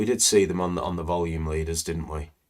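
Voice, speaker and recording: A man with a British accent speaks in a very deep, low voice. His delivery is somewhat breathy, with fairly even intonation. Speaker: stock trading educator. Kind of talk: live screen-share tutorial. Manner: casual, halting with repetitions.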